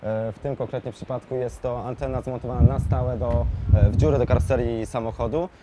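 Heavy background noise surrounds a man in his twenties whose mid-range voice stays fairly even as he gives an improvised product rundown as a shop expert. Captured on a lapel mic, he falters repeatedly, with many fillers and repeated words.

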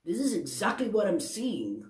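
Greek-accented woman, lively roomy tarot chat. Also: mid-range voice, normal speed. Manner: chatty, self-correcting, asks the viewer "yes?". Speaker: tarot reader. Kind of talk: tarot reading to camera. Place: indoor room at a table.

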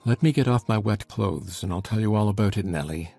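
A man playing a rebellious, scornful orphan boy telling his tale in a dramatized audiobook, with a husky voice. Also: fairly low pitch, brisk, dark tone, no room sound, faint music behind. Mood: sullen. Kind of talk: dramatized audiobook character reading.

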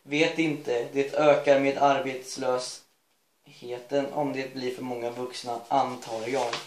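A man's voice: medium pitch, level tone, a little hiss or hum. A man reading his own school story aloud, rambling with self-mocking asides and laughing at his own writing. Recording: echoey room.

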